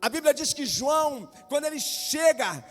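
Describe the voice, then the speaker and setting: A man's voice: extremely high pitch, lively intonation, moderate pace. A male pastor preaching an impassioned sermon, firing rhetorical questions at the congregation. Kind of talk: Pentecostal sermon. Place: church sanctuary. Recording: long church reverb, faint music.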